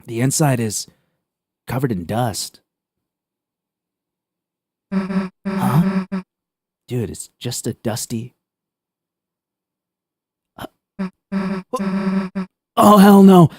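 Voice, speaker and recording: A man voicing a brash, rough-talking monster girl from a game, blunt and swearing. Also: medium pitch, sing-song, darkish tone, full character voice. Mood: gruff, puzzled. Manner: blunt, swears, slow gruff delivery. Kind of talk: voicing game dialogue on stream.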